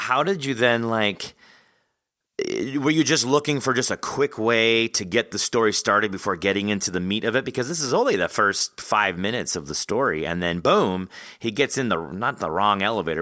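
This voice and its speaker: A man's voice: fairly low pitch, expressive, normal speed, sharp tone, no echo, studio quality. A man hosting a podcast interview in a casual, chatty style, animatedly acting out imagined reactions as he talks. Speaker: podcast host interviewing an author.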